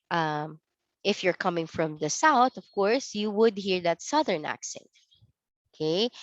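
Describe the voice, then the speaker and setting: A woman's voice: mid-range voice, no echo, highs cut off. A woman with a Filipino accent giving an online training lecture, often checking in with "okay" and "right" as she reads definitions. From Philippines.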